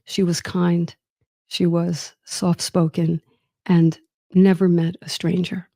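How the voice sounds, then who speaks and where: A middle-aged American woman recounts her family history with wry humor and reflection. Her voice sits low and mellow, and the recording is dry and close. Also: level tone, slow, creaky, no echo. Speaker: host. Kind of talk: personal storytelling monologue.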